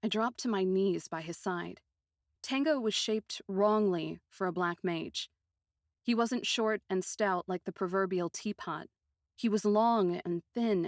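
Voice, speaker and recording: A woman narrating a first-person fantasy story in an expressive, literary manner with deliberate phrasing. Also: medium pitch, dry recording, studio quality.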